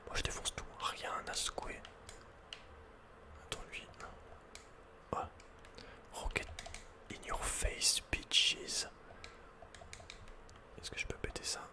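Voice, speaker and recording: A man whispering casual, slangy, playful game commentary in a breathy ASMR style, close to the microphone. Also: takes it slowly, pauses often. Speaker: ASMR video game player.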